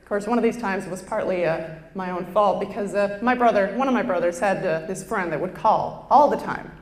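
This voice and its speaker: A young woman with a very low contralto voice, doing a chatty, self-deprecating stand-up routine on a lapel mic on a live stage. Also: a little fast. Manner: self-deprecating, chatty, with frequent fillers and restarts. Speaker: stand-up comedian. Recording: roomy hall reverb, faint ambience.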